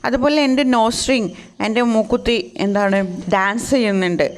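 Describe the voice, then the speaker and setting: A woman explaining a folk song line by line, reading the quoted lines slowly and a little higher, with hesitant fillers. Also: rough recording. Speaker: teacher explaining a poem. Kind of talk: lecture mixing Malayalam and English.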